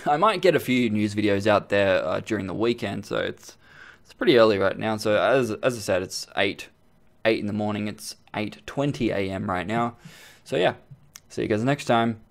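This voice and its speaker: Rambling young man, lowish voice. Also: normal speed, vocal fry. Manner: rambling, with many ums and restarts; casual swearing. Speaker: gaming channel host. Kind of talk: casual channel update vlog.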